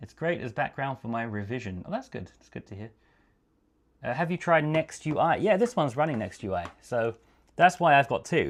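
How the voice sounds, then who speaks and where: A man with an English accent, fairly high pitch, very wide pitch swings, big swings in loudness and a fairly quick pace, on a very clean recording with a silent background. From England. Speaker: retro handheld gaming streamer. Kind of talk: live stream chat. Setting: live stream. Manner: casual, chatty.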